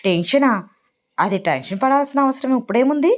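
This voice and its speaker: Storybook mother, middle-aged, easily rattled, higher voice, played by a woman narrator. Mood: puzzled. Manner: excitable, quick to shout.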